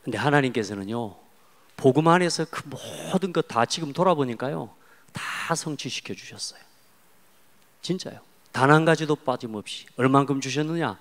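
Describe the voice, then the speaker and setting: Korean pastor preaching in a reverberant church. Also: male voice, mid-range voice, animated, a little fast. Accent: Jeolla Korean. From South Jeolla, Korea. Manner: storytelling, swings from hushed to loud emphatic. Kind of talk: sermon. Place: church sanctuary. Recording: long church hall reverb.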